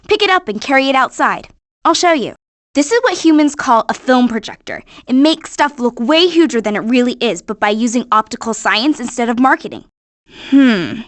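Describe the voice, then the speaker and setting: Woman playing a high-pitched, savvy teenage animal girl. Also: no room sound, natural voice. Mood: explaining. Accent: American. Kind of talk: animated video game voice acting.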